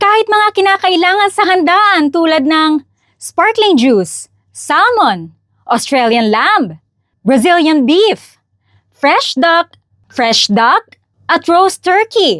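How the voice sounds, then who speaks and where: A woman speaks at an extremely high pitch with very wide pitch swings and very even loudness. Her pace is very slow, and the sound is dry and close with no echo. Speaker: voiceover artist recording a commercial. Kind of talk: retail commercial read. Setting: recording studio. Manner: segmented, being coached toward smoother, more excited delivery.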